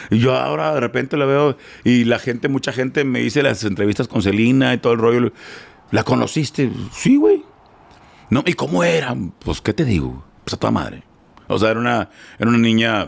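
A man's fairly quick speech with vocal fry, lively intonation, and long, frequent pauses. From northeastern Mexico (Monterrey, Tamaulipas); northeastern Mexico. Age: 50s. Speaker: radio announcer. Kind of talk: casual interview chat. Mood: relaxed, joking, casual slang. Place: studio. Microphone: studio mic.

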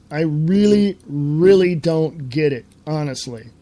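Background noise is noticeable here. A man talks with an American accent. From California. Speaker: political talk radio host. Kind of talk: political talk show monologue. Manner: animated.

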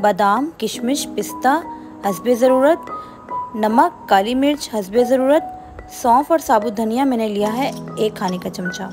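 Noticeable background noise can be heard. The talking goes at a very slow pace. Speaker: home cook channel host. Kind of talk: tutorial. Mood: calm, measured.

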